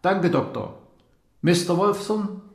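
An actor playing a formal, courteous government official in a radio drama, with a stiff, deliberate, halting delivery. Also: male voice, sits high, lively intonation, gravelly, exaggerated voice. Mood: formal, measured. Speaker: official leading a project briefing. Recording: roomy echo.

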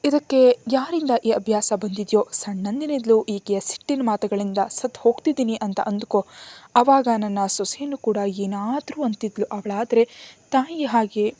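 A woman's voice: fairly high pitch, normal speed, dark tone, no room sound, close to an everyday voice. Woman doing a tearful old grandmother. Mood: sorrowful. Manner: sorrowful, pleading. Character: tearful grandmother, pleading and grieving.

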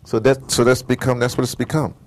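A man's voice: mid-range voice, little pitch movement, fast talker, noisy background. A middle-aged or older man in casual conversation as an interview guest, emphatic and rambling with slangy turns of phrase. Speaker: interview guest, audio drama producer.

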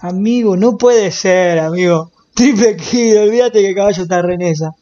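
A man with an Argentine accent streaming a roleplay game, swearing constantly and breaking into loud wails. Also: high-pitched, normal speed, lo-fi sound. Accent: Rioplatense Argentine. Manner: profane, excitable, bursts into loud wailing. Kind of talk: casual gaming chat.

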